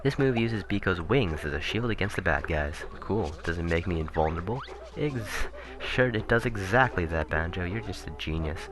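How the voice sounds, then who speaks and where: A man commentating casually on a video game he is playing, rambling and correcting himself, his voice turning raspy. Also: sits low, animated, moderate pace, few pauses. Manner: rambling, self-correcting, chuckling asides. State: voice getting raspy. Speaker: let's play commentator. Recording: game music playing behind.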